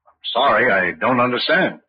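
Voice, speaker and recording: An actor playing a courteous, unsuspecting jewel dealer with a formal manner in a 1940s radio crime drama. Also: male voice, medium pitch, animated, moderate pace, slightly rough. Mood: puzzled. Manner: polite, formal. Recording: hissy, muffled old radio broadcast.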